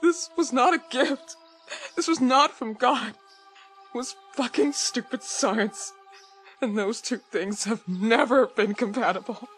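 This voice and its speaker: An actress playing a troubled, defiant woman in a horror game, speaking earnestly and deliberately in dramatic, broken phrases. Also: on the high side, lightly acted. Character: troubled, defiant woman piecing together buried truths. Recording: faint music behind the voice. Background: faint music.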